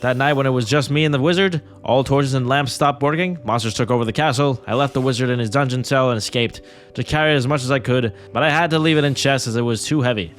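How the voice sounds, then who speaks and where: A man voicing a pompous male king reading from his journal in a put-on pretentious British accent, declaiming loudly and higher than his usual voice. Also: fast talker, soft background music, lightly acted.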